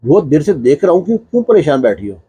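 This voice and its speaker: A man playing a gentle, coaxing husband. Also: a little high, sing-song, breathy edge, heavily acted. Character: affectionate young husband.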